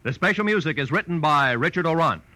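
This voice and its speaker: A man's voice: a little high, lively intonation, quick pace, pushed and bright, no room sound, low-quality recording. An American man announcing scripted credits in formal 1940s radio style.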